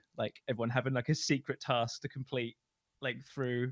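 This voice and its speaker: The sound is dry and close with no echo. A man talks at a very fast pace with monotone, flat intonation. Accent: British. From UK. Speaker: podcast co-host and streamer. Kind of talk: casual chat.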